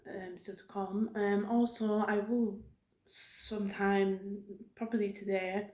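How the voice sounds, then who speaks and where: A woman talks softly in a casual ASMR ramble, with an even, fairly flat pitch. She wanders from thought to thought in a hesitant, informal way, like a video host chatting to viewers. The room adds a clear echo around her voice. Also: takes it slowly. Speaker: YouTube host. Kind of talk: soft-spoken ASMR ramble. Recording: roomy, echoing room sound.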